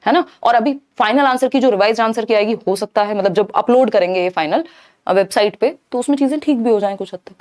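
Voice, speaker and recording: A fairly high-pitched woman teaches a live online class for a teaching exam. She explains each answer in a lively way, mixing in English terms, and keeps checking in with her viewers. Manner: mixes Hindi with English terms.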